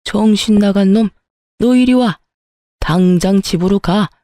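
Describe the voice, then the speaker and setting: A woman's voice: mid-range voice, unhurried, mellow, no echo, clean studio sound, lightly acted. A woman voicing a stern older father-in-law who scolds his cheating son and sends the mistress away. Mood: furious.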